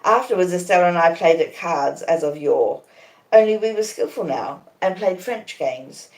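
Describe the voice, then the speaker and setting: Australian woman, lowish voice, literary narration, live storytelling, echoey room. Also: expressive, normal speed, a little mellow. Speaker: audiobook reader. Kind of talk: live dramatic reading of a classic novel, narration. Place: conservatory in a small cottage.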